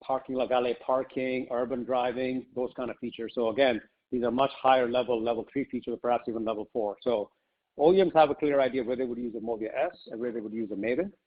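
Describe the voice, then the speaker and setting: Fast-talking male executive, slightly muffled call audio. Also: medium pitch, steady tone. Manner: conversational, often says "you know" and "right". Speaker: company executive answering shareholder questions. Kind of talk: unscripted Q&A on an investor conference call. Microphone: conference call line.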